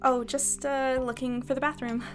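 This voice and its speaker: A woman's voice: high-pitched, level tone, moderate pace, faint music behind, natural voice. A woman playing an earnest, curious young journalist in a fiction podcast, polite and a little hesitant. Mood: flustered, evasive. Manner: hesitant, stammering when caught out, polite. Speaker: newspaper editor and narrator. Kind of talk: fiction podcast acting and narration.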